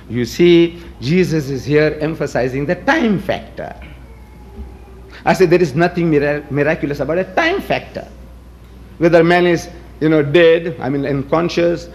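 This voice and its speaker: Emphatic man lecturing an audience. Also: high-pitched. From South Africa. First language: Gujarati. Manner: emphatic, rhetorical, quotes debates in dialogue. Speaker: public speaker on religion.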